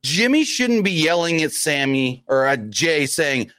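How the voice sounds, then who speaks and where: A man in casual podcast chat who gets animated and acts out wrestlers' lines. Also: fairly high pitch, unhurried, no room sound, clean studio sound. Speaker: podcast co-host.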